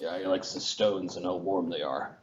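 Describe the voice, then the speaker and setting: A man's voice: low-pitched, steady tone, moderate pace. A man casually narrating a tabletop game as game master. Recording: dull lo-fi audio.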